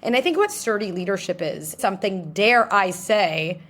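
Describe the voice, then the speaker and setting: Woman guest on an interview, lively, slips into voices to act stuff out, mid pitch. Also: moderate pace. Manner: animated, acts out scenarios in voices. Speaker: guest psychologist. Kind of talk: interview answers.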